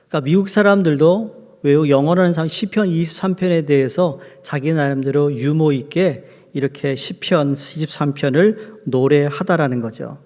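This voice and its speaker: A man's voice: on the high side, a little mellow. A man preaching a sermon as pastor, joking with his congregation. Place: church sanctuary. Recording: long hall reverb.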